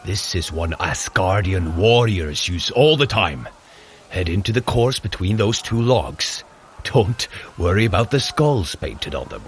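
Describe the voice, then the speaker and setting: An actor playing a boisterous, cheerful Norse warrior god in an audio drama, with theatrical, grand old-fashioned phrasing. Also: male voice, sits low, expressive, a little slow, a little hiss or hum. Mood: grumbling, hearty.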